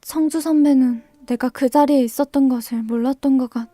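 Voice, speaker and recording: A woman's voice: sits high, steady tone, fairly quick, warm tone, no room sound. A young woman playing a troubled student who narrates her own mystery in a radio drama, with music behind her. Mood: brooding. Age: young adult. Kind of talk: audio drama acting with inner monologue.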